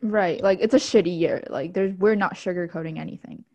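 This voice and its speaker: Blunt young woman, lowish voice. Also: fairly quick. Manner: blunt, swears casually, animated retelling. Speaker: podcast co-host. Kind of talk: casual chat.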